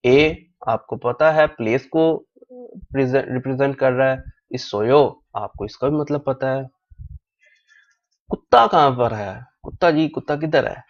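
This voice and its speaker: A man teaching a language class, slowly repeating drill phrases again and again as in a recorded lecture, with Urdu as his first language. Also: medium pitch. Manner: slow, repeats drill phrases many times. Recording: dull lo-fi recording.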